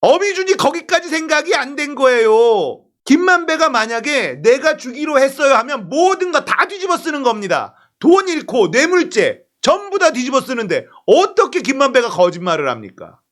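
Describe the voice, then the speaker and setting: A man's voice: extremely high pitch, very animated, normal speed, hardly any pauses, a bit bright. A man delivering a heated, scornful political commentary monologue as host, full of rhetorical questions.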